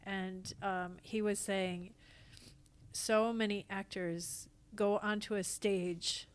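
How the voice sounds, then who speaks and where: Female podcast guest, medium-pitched, conversational and reflective, explaining ideas informally. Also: fairly even intonation, slow pace, smooth. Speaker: podcast guest, stage actor. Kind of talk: casual interview conversation.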